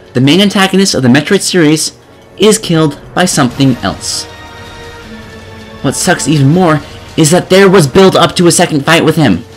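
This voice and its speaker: A man reading scripted video game review commentary in a sarcastic, exasperated manner. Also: fairly high pitch. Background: music.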